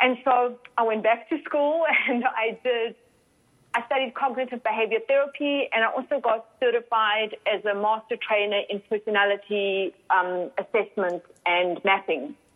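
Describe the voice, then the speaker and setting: In a South African accent, a woman speaks with a fairly high pitch and ordinary pitch variation. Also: moderate pace. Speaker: high performance coach. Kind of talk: interview.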